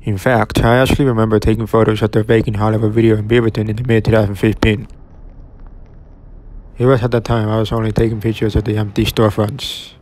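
A man's voice: on the low side, darkish tone. A young man from Oregon giving casual, matter-of-fact narration while touring an empty store. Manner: plain, matter-of-fact commentary. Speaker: retail explorer vlogger.

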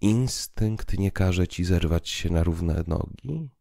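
A man plays a wry priest in an audiobook drama. He is unhurried and deliberate, in a very low voice with some gravel in it. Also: dark tone, no room sound, clean studio sound, full character voice. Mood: chiding. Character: wry, unhurried male priest chiding a sceptic. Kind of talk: audiobook character dialogue.

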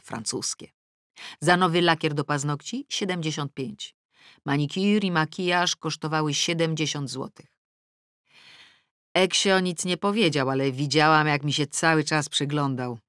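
A woman's voice: sits low, a bit bright, no echo. Middle-aged woman doing a comic audiobook diary, wry and self-pitying, swings from mutters to big outbursts, dry close mic. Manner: wry, self-mocking, swings between sulky mutters and exclamations. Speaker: audiobook narrator. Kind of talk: first-person audiobook narration.

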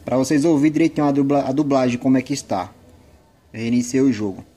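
A man's voice: medium pitch, steady tone, fast, warm tone, husky. A man with a Brazilian accent giving casual gameplay commentary as a channel host. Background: game music.

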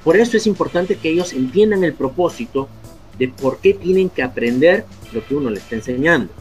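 A man speaking as a guest on a video call, calmly explaining teaching ideas in steady lists. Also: on the high side, a little fast, soft background music.

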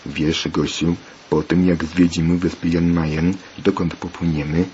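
A man's voice: low voice, level tone, measured pace, a little mellow. A man voicing a curious young twin girl who asks her sister questions in a read-aloud story. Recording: muffled lo-fi with faint hiss.

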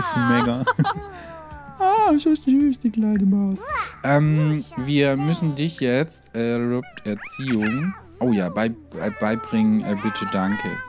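A man's voice: fairly low pitch, a little mellow. A man giving casual let's play commentary, chatting to the characters in his game and laughing often.

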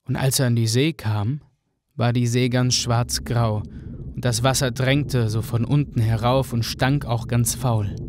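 A man narrating a fairy tale in a radio play with an even, storytelling manner. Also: mid-range voice, unhurried, noisy background.

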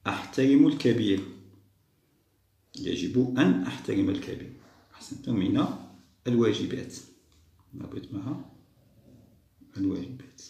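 A man patiently walking young schoolchildren through a test, repeating each answer slowly. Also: fairly low pitch, vocal fry, mellow, echoey room. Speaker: teacher solving a school test. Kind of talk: step-by-step lesson for young children.

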